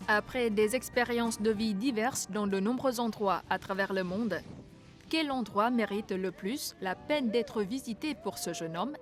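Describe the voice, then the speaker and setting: A woman's voice: medium pitch, measured pace. A woman reading scripted narration for a television news feature. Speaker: news reporter. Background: background music.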